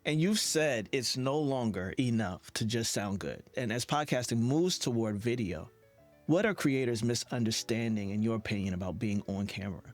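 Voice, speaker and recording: A man's voice: medium pitch, animated, moderate pace, soft background music. A man hosting an interview in a casual, conversational style. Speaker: interview series host.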